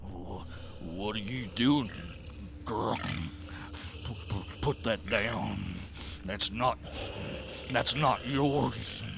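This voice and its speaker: Over loud background noise, a man puts on a guttural character voice, fairly low in pitch and very slow. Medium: solo performance. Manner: sluggish, stammering.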